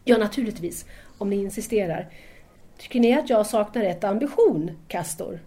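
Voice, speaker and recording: A woman's voice: mid-range voice, lively intonation, mellow, close to an everyday voice. A woman acting in an audio drama as a shy, admiring young female student who doubts herself and speaks hesitantly and deferentially. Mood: self-doubting.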